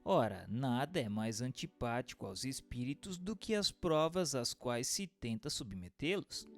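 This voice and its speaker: A man with a Brazilian accent narrates a formal, scripted text over faint music. His mid-range voice moves with lively intonation, and his delivery is didactic and carefully phrased. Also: medium pitch. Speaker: narrator and questioner.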